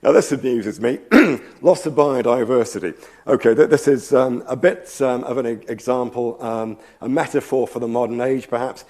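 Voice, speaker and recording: A man with a slight cold delivers a public science lecture, his mid-pitched voice a little frayed. He talks in a thoughtful, meandering way, pausing on ums and wandering into asides. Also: a little mellow. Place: lecture hall.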